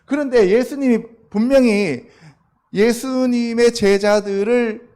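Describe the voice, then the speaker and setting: A man's voice: extremely high pitch, slow pace, a little mellow. A male pastor preaching a sermon to a youth congregation in a loose, conversational way, often asking the listeners questions and answering them himself.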